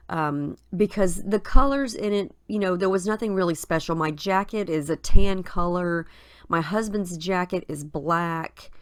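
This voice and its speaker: A woman's voice, slightly low and made scratchy and nasal by a head cold. She talks in a relaxed, chatty way, thinking aloud as she goes. The sound is dry and close. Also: dry recording. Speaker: craft video host. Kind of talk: casual voice-over narrating a scrapbooking process.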